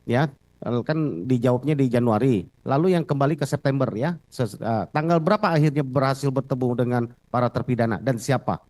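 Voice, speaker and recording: A man's voice: mid-range voice, brisk, a little mellow, no echo. Indonesian man questioning formally, dry sound. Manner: methodical, pressing for clarification. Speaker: lawyer questioning a witness in court.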